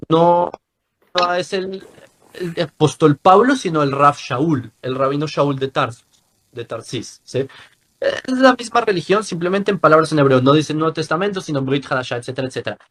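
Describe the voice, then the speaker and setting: A man with a slightly raised pitch explains at an even pace. He lectures steadily but trips on repeated little fillers. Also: normal speed. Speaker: religious commentator. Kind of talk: explanatory talk.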